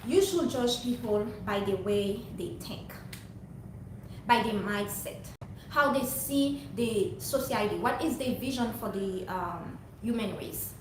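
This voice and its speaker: A woman's voice: medium pitch, slow pace. A young woman from Haiti, talking to her viewers in a rambling, earnest, preachy monologue. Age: young adult. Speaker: vlogger. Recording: very echoey room, distant mic, faint noise.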